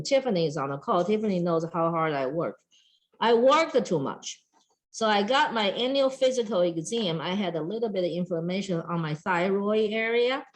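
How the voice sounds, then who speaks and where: A woman's voice: mid-range voice, low-quality recording. A middle-aged woman from Taiwan with a Taiwanese accent, giving a chatty, emphatic cooking demonstration at a farm workshop. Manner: lively, chatty, emphatic, talks straight to the audience with frequent "okay?". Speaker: extension educator.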